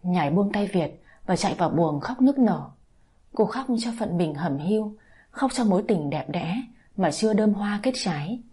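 A woman narrating a scripted story in a calm, even storytelling manner. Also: medium pitch, moderate pace, husky.

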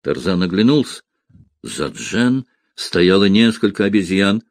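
A man narrating an adventure novel as an audiobook, dramatic and dropping to a hush at tense moments. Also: low voice, very animated, a little slow, vocal fry, dry recording, studio quality.

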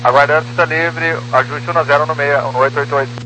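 Quick Brazilian male pilot on aviation radio. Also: on the high side, steady tone, bright, forceful tone, slight background noise, poor audio. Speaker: airline pilot. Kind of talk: air traffic radio readbacks. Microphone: radio transmission. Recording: faintly humming aviation radio.

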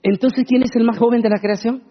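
A man preaching a sermon, dramatic and swinging into shouted proclamations. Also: very high voice, fairly even intonation, fairly quick, muffled recording.

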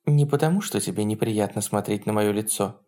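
Man doing a domineering Roman empress, hushed breathy girlish voice, teasing, audiobook. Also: mid-range voice, expressive, moderate pace, close to an everyday voice. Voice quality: soft, breathy, girlish-sounding whisper. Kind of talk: audiobook character voice.

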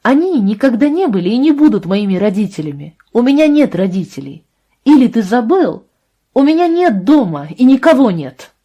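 A woman's voice: a little high, big pitch swings, normal speed, dark tone, husky, dull audio, pitched above the performer's own voice. Woman voicing defiant, hurt teenage girl. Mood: indignant. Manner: raised, indignant outbursts.

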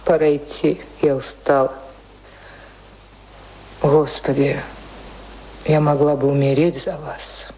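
A woman's voice: low voice, level tone, slow, long pauses, mellow, a little hiss or hum, poor audio. An actress in a radio drama playing a devoted, proud working girl, hopelessly in love, fervent and wounded. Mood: weary, despairing. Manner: fervent, self-sacrificing, wounded. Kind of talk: dramatic radio play acting.

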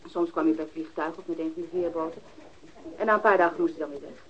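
An actress playing a blunt, wary and mocking bohemian sculptor in a radio drama. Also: female voice, low-pitched, steady tone, fast, lightly acted. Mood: frank, matter-of-fact. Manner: blunt, challenging. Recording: dull lo-fi old radio recording.

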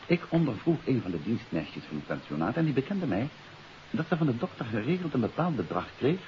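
An actor playing a confident detective who explains a case in an assured, emphatic way, in 1950s radio drama style. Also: male voice, medium pitch, sing-song, a little fast, natural voice. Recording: dull, hissy 1950s radio recording.

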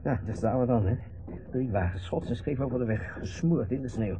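An actor playing an irritable, gloomy company director and husband in a Dutch radio play, curt and sardonic. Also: male voice, mid-range voice, fairly quick, lightly acted. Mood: shaken, annoyed. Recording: muffled, noisy old radio play recording.

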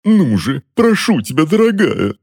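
Brief: male reader as a whiny, cursed uncle, shrill, snarling, leaps high when he pleads. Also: very animated, unhurried, a little mellow, breathy edge, heavily acted. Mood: wailing, pleading.

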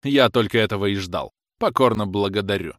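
A man's voice: lowish voice, fairly quick, fairly bright tone, no room sound, clean studio sound, lightly acted. A man voicing a jealous, furious young man who hurls accusations at his lover in a raised, scornful voice. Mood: cold scornful. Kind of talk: audiobook character reading.

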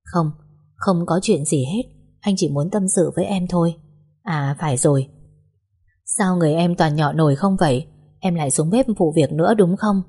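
A woman voicing a caring, troubled young husband, talking softly and reassuringly. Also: fairly low pitch, normal speed, breathy edge. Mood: tender. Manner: soft, reassuring, hesitant.

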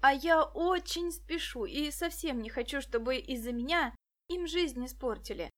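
A woman reading an audiobook, voicing a short, sly male crook who rasps and wheedles. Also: sits high, moderate pace, lightly acted. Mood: sugary. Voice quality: hoarse, wheedling.

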